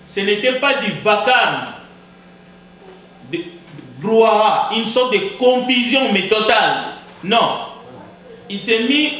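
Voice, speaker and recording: High-voiced preacher in an echoing hall. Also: male voice, sharp tone, far from the mic. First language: Kizimba. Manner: emphatic, repeats words, rhetorical questions, deliberate pauses. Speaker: pastor. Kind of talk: sermon. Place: church sanctuary.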